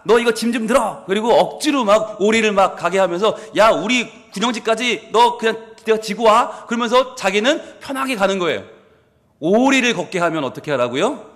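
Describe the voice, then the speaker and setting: A man, a pastor, preaching a sermon in an animated storytelling way, acting out the people in his stories and asking the congregation questions he answers himself. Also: high voice. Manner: animated storytelling, acts out quoted speakers. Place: church sanctuary. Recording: long hall reverb.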